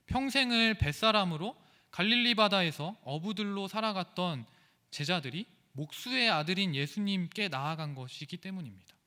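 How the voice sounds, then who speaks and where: Korean-language preacher guy, bright higher voice, lots of questions, church echo. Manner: earnest, rhetorical questioning. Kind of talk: sermon. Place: church sanctuary. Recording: echoey church hall.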